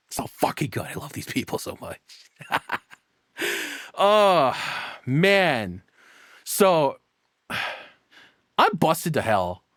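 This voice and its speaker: A man giving casual, off-the-cuff reaction commentary, sarcastic and quick to swear. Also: mid-range voice, no room sound, studio quality. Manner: sarcastic, profane. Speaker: reaction streamer.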